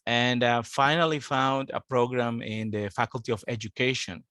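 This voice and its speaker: A man's voice: mid-range voice, moderate pace, no echo. Man in his fifties, dry sound. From Colombia. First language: Spanish. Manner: earnest, steady, explanatory. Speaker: guest, international student advisor. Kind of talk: interview, telling his life story.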